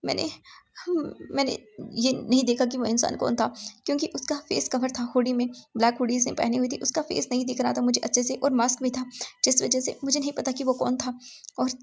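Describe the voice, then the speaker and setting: A woman's voice: high voice, level tone, a little fast, vocal fry, darkish tone, breathy edge, exaggerated voice. A woman voicing a grieving, remorseful middle-aged father who stammers and repeats his words. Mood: pleading.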